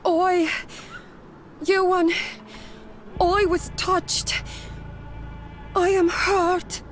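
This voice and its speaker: A woman's voice: very high voice, little pitch movement, drawn-out words, a little hiss or hum, full character voice. An actress playing a solemn young tribal woman in a video game, sincere and formal. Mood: pained. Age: young adult. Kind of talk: scripted video game acting.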